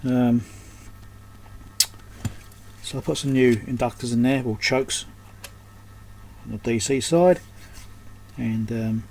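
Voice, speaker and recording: Slowly, with long pauses, a man at an indoor electronics repair workbench thinks aloud in muttered fragments, giving unscripted commentary as technician and host. His mid-range voice is a little mellow and fairly even, with slight background noise.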